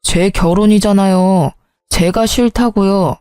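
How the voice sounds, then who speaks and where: A woman's voice: medium pitch, steady tone, a little slow, mellow, clean tone, dry recording, lightly acted. A woman doing an exasperated grown son. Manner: exasperated, pleading. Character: grown eldest son, frustrated and pleading. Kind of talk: storybook narration.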